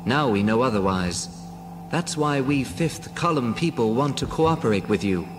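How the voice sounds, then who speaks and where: A man voicing a sorrowful male alien rebel leader in a read-along story, speaking in a grave, measured way. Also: medium pitch, lively intonation, big-room sound, close to an everyday voice. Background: music.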